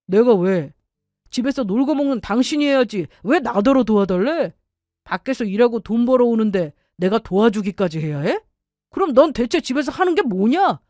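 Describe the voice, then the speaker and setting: A woman's voice: fairly high pitch, expressive, moderate pace, darkish tone, no echo, studio quality, pitched above the performer's own voice, close to an everyday voice. A woman voicing a scornful selfish husband. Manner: scornful, dismissive retorts. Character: selfish, contemptuous adult husband. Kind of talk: storytelling radio narration.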